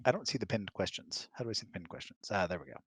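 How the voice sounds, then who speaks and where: Low, easygoing man in casual chat. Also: sing-song, very fast, a bit bright, slightly rough, dry recording. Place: indoors, close and dry online voice hangout.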